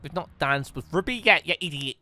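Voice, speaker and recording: A man's voice: on the high side, fairly quick, bright, forceful tone. A man giving casual, reactive let's play commentary on a visual novel, exclaiming and reading game dialogue aloud. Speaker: video game let's player. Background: game music.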